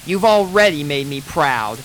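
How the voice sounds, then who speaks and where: A man voicing a brash, tomboyish young female pegasus pony who calls out loudly and eagerly. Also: fairly high pitch, animated, measured pace, a little hiss or hum, voice pushed up, poor audio. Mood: encouraging.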